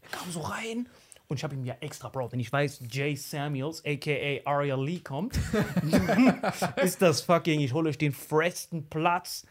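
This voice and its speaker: Young guy on a podcast, slangy storyteller, voice a bit high, acts out everybody. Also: normal speed. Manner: animated storytelling, acts out quoted people, slangy. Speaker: podcast co-host. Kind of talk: casual podcast chat.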